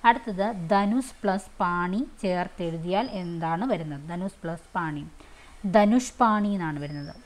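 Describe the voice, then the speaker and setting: A woman's voice: fairly low pitch, a little slow. A woman teaching, going through exam questions one by one and repeating each question and answer in a conversational way. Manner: fillers and restarts, conversational.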